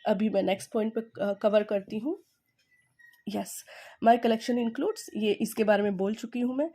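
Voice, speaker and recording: A woman's mellow, mid-range voice with fairly even intonation leads a Hindi-English lesson. Speaking with an Indian accent, she explains English in Hindi, repeats herself, checks in with "okay?", and reads English sentences in slow, stressed dictation.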